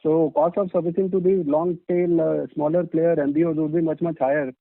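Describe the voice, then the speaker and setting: A man's voice: a little high, little pitch movement, fairly quick, gravelly, dry recording. A man with an Indian accent, an analyst putting deferential, wordy questions on an earnings call. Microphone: telephone line. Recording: dry, dull phone line.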